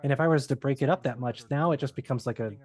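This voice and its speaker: A man's voice: medium pitch, racing. A middle-aged man chatting animatedly as he gives commentary on his own film. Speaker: filmmaker giving director's commentary. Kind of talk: casual commentary chat.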